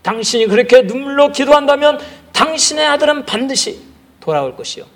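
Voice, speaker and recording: A man voicing Ambrose as an old bishop calmly reassuring a mother. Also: extremely high pitch, a little fast, pitched above the performer's own voice.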